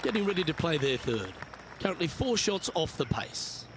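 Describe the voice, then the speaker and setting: A man playing a composed television golf commentator in a video game, making measured, brief remarks between shots. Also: a little high, big pitch swings, crowd noise, background noise.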